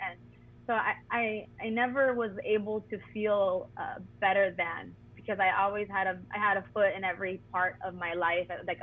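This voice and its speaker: A woman's voice: mid-range voice, dry recording. A woman in her thirties, a chef from the San Diego–Tijuana border, telling her own story animatedly on a video call from home. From San Diego–Tijuana border region. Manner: animated, frequent "like" and "you know". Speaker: chef and guest. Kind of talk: personal storytelling on a webinar. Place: small home room indoors. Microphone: video call laptop mic. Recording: tinny phone-like call audio.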